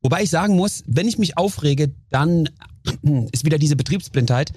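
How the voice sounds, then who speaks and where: A man guesting on a podcast, telling lively stories in casual chat and briefly acting out his own outbursts. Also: fairly high pitch, normal speed, husky, no room sound.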